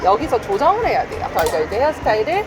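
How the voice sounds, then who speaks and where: A woman's voice: a little high, huge pitch swings, quick pace, crowd noise. A woman giving a polite, complimentary product demonstration at an exhibition booth, in customer-service style. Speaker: booth demonstrator for beauty technology. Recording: loud music over busy venue.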